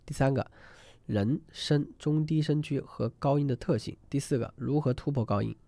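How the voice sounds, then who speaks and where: Gravelly-voiced man teaching singing online. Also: medium pitch, moderate pace, dark tone, no room sound. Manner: chatty, asks students to type numbers in chat; rambling with many fillers and restarts. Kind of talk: live online class lecture.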